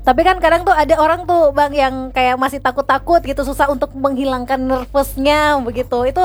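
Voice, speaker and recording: A woman hosting a live-stream interview, attentive, asking questions and keeping up a steady run of short agreeing murmurs. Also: sits high, fairly quick, soft background music. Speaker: host.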